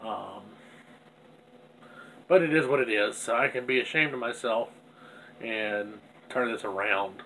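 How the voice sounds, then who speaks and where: A middle-pitched vlogger with a stuffy, congested nose rambles through a personal video diary, candid, self-critical and full of restarts. He's unhurried and a bit bright, pausing often, with a faint hum behind him and poor audio.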